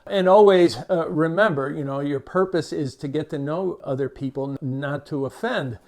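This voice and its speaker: An older man with a Cuban-American accent talks to camera as a behavior expert. His voice sits a little high for a man. He speaks in a measured, unhurried way, dotted with "uh" fillers and small restarts. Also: a little mellow. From Cuba, raised in Miami. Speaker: behavior expert, channel host. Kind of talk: reflective talk to camera.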